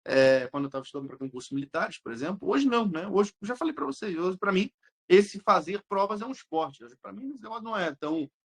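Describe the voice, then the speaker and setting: A young man with a Brazilian Portuguese accent, an exam-prep teacher talking casually with his students, blunt, slangy and quick to swear. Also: sits high, very animated, slightly rough. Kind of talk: casual live chat answering students.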